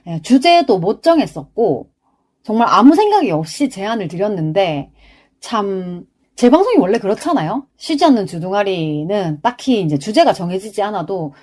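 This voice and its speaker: Lively, animated woman podcast host. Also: mid-range voice. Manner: chatty, lively, talks fast and quick to laugh. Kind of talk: casual solo podcast chat.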